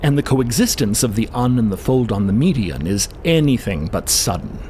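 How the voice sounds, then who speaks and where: A man's voice: medium pitch, expressive, moderate pace, a little mellow, a little hiss or hum, natural voice. A man playing a pedantic scientist in an audio drama, explaining things in a precise, academic manner. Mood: relishing, assured. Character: pedantic male scientist who relishes lecturing, Merlin.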